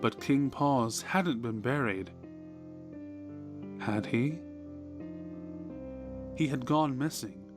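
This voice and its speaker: A man reading a scripted horror story in a measured, deliberate way, with dramatic pauses. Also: medium pitch, animated. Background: background music.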